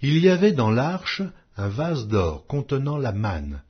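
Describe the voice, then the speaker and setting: A man narrating an audio Bible in a solemn, measured, declamatory reading style. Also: mid-range voice, wildly swooping pitch, breathy edge. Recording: dull lo-fi audio.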